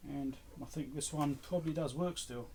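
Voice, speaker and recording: A man's voice: fairly high pitch, moderate pace, mellow, slight background noise. A middle-aged man talking casually off the cuff, musing to himself like a vlog host as he goes through items. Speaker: host of an electronics repair channel.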